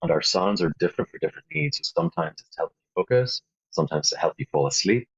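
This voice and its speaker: A man with a Belfast accent, a guest calmly explaining his meditation work in an interview. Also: low voice, fast, gravelly, slightly rough. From Northern Ireland. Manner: calm, flowing explanations with frequent fillers. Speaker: guest, founder of a meditation app. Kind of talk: interview conversation. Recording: dull, muffled lo-fi audio.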